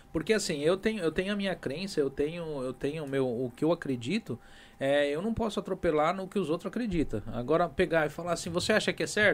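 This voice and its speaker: A man speaks very fast in a high voice with lively intonation. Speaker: podcast host. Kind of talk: casual interview chat. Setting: live stream.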